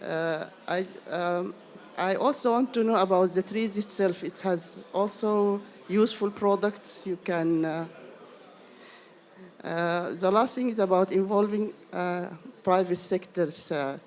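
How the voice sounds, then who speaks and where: A woman's voice: mid-range voice, a little slow, darkish tone. A woman from Sudan asking a panel several questions from the floor, hesitant and full of fillers and restarts. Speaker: audience member asking questions.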